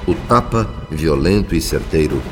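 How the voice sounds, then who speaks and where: Deep-voiced male narrator in long reverb. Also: lively intonation. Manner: solemn, literary, measured delivery. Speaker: radio drama narrator. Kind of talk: scripted dramatic narration. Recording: long reverb, music behind.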